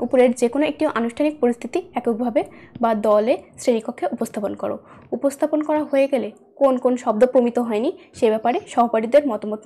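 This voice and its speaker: A woman's voice: on the high side, warm tone. A young woman with a standard Bangladeshi Bengali accent, teaching a school lesson and patiently repeating her points. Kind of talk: classroom lesson narration. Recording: faint background noise with clicks.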